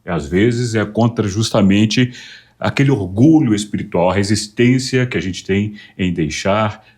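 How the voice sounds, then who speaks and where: A man hosting a church talk show, tying the guest's story to scripture with a measured, preaching cadence. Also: on the low side, a little mellow, slightly rough. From Brazil. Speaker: host of a church program.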